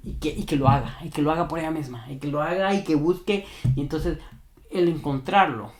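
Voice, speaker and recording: A man's voice: a little high, a little fast. A man working as a dog trainer, earnestly explaining advice to a viewer and repeating his key points for emphasis. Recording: roomy echo.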